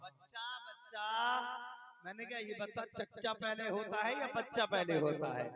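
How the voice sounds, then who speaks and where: High-voiced man preaching to a crowd. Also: normal speed. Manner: rhetorical repetition, builds to shouting. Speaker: religious orator at a gathering. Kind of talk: fiery religious speech to a crowd. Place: large stage tent at a gathering. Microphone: stage microphone. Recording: echoey, distant, crowd noise.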